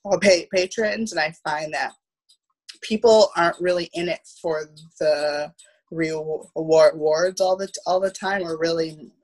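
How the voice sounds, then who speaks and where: A woman's voice: low voice, darkish tone, rough recording. A woman in her thirties explaining things casually as a panel guest on a video call, often restarting words. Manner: halting, often repeats word beginnings. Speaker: panel guest, theatre producer. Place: plain room at home, indoors. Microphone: video call with headset.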